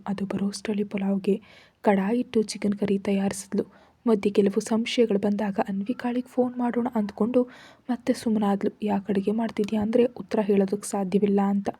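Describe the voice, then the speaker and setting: Woman storyteller, soft half-whispered narration, flat pitch, dark, husky tone.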